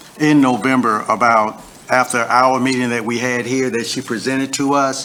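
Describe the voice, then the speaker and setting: With noticeable background noise behind him, a man talks at a medium pitch and moderate pace in a monotone, flat intonation. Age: 60s. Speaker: school board trustee. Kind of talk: public meeting discussion. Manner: halting.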